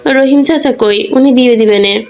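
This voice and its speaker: A woman's voice: high-pitched, normal speed, slight background noise. A woman reading the part of a cheerful, affectionate young woman who teases playfully. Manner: lively, teasing.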